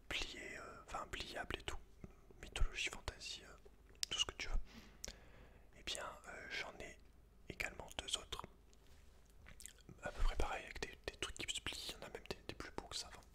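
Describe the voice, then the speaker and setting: A man hosting ASMR in a breathy, unvoiced whisper, intimate and informal as he speaks directly to the listener. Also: very high-pitched, pushed and bright. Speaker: ASMR video host. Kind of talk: whispered ASMR, reading a book aloud with casual asides.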